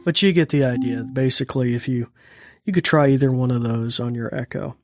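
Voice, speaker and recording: A man's voice: mid-range voice, fairly quick, loud music behind the voice. An American man hosting a podcast, giving a casual tutorial and calling out voice commands. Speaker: podcast host and instructor.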